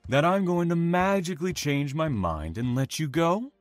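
A man playing a calm, taunting, self-satisfied serial killer in an audio drama, savoring his words with theatrical menace. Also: a little high, moderate pace, no echo, faint music behind, lightly acted.

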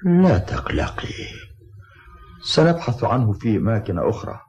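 A man voicing a steady, protective old grandfather with a gravelly voice in a cartoon dub. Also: lowish voice, moderate pace, exaggerated voice. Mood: reassuring. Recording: dull lo-fi old cartoon soundtrack.

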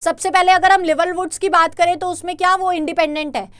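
A very high-pitched woman, teaching biology live online. She reads out students' answers, praises them, and switches between Hindi and English terms. The sound is dry and close. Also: steady tone, fast talker, fairly bright tone, dry recording. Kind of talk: live online exam-prep class.

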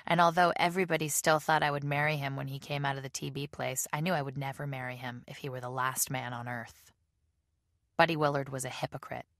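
A woman reading a novel aloud as a measured, subdued first-person audiobook narration. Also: rumbling low, vocal fry, fairly bright tone, no room sound, studio quality. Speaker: audiobook reader.

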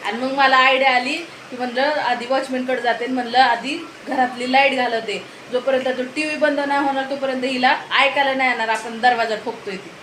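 A woman vlogger chatting at home, telling an animated story and scolding in a casual family vlog. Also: high voice, a little fast, hardly any pauses. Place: home indoors. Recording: echoey home room with noise.

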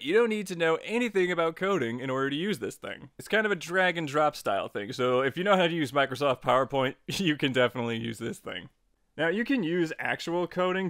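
A man narrating a casual software tutorial as its host, in an informal, jokey and playfully emphatic way. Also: mid-range voice, no room sound, clean studio sound. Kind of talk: casual tutorial narration over screen recording.

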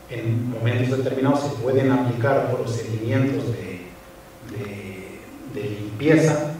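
A man's voice: medium pitch, dark tone, slight background noise. A man in his thirties from Spain giving a technical talk on a conference stage, explaining step by step and often repeating small words as he searches for the next one. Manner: measured explanatory delivery with frequent hesitant repeats. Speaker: conference speaker. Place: large cinema hall on stage. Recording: echoey hall recording from far off.

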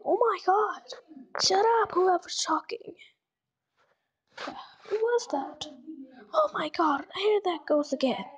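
A woman's voice: extremely high pitch, expressive, slow, long pauses, heavily acted. A woman voicing a hyperactive, friendly young male cat-boy character, perky and chatty, in an amateur audition. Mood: excitable. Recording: faint background noise with clicks.

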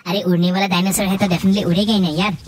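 A man's voice: high voice, little pitch movement, fast, a little mellow, a little hiss or hum, voice pushed up, close to an everyday voice. A man putting on a cheeky, nagging sidekick voice that teases and asks whiny questions during gameplay commentary. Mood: teasing.

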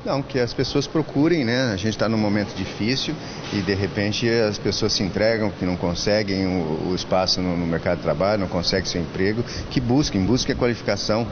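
Brazilian man, 50s, earnest advice-giver, low voice, lo-fi handheld mic with clear hall noise behind. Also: a little fast. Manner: earnest, advice-giving, many restarts. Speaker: school staff member interviewed. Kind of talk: on-camera event interview. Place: indoor school fair hall. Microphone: handheld mic held by interviewer.

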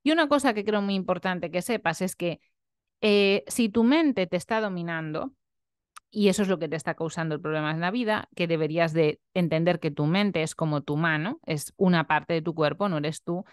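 A woman's voice: fairly low pitch, a little fast, clean tone, dry recording, studio quality. A young woman nutritionist talking earnestly and openly in a personal vlog, often adding tag questions. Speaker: nutritionist and vlogger. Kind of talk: reflective personal vlog talk.

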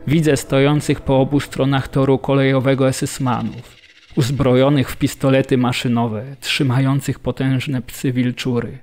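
A male prisoner played by an actor gives restrained eyewitness testimony. His voice is medium in pitch with very little melody, plain radio-drama narration. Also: flat delivery, normal speed, darkish tone, soft background music, lightly acted. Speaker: actor reading a prisoner's account.

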